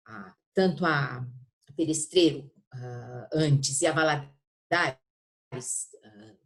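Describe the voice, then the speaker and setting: An older woman with a Brazilian Portuguese accent, a professor explaining informally in an interview, searching for words and often adding short check-in tags. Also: medium pitch. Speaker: university literature professor being interviewed.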